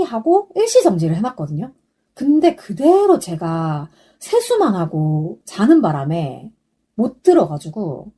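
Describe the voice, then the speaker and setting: A woman's voice: a little high, dark tone, husky. A young adult woman hosting a podcast, chatting casually and rambling with many fillers. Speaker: podcast host. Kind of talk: casual solo podcast chat.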